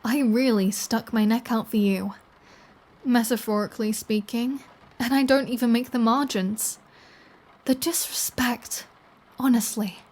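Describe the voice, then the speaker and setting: A woman's voice: on the high side, steady tone, a little mellow. A woman playing a flirty, taunting, predatory vampire in an intimate audio roleplay, with a teasing, sardonic delivery. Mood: mock-hurt. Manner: slow, teasing, sardonic, casually profane.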